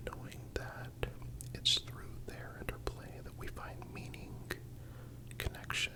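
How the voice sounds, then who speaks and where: ASMR narrator, whispered, breathy, unhurried, soothing, measured scripted delivery.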